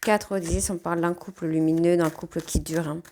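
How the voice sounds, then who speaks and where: A woman's voice: fairly low pitch, fairly even intonation, a little fast, a little mellow, a little hiss or hum. Woman, tarot reader, northern French ch'ti accent, chatty, casual spoken reading, keeps adding "hein". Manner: chatty, frequent "hein" tags.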